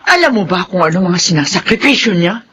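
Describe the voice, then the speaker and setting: A woman's voice: fairly low pitch, big pitch swings, fast talker, highs cut off. An actress playing a wealthy mother and employer who firmly scolds her child and gives orders to the maid. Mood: stern. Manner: firm, scolding.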